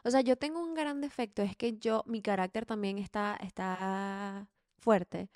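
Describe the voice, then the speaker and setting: A woman's voice: medium pitch, a little slow, a little mellow, no echo, clean studio sound. A young Venezuelan woman co-hosting a podcast, speaking in a blunt, opinionated, casual way and laughing often. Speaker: podcast co-host. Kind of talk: casual chat.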